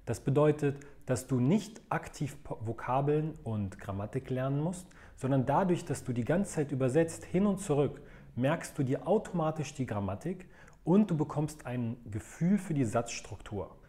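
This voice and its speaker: A man's voice: medium pitch, expressive, normal speed, dark tone. A man teaching in a video lesson, laying out methods step by step in a methodical, explanatory way. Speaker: language learning coach.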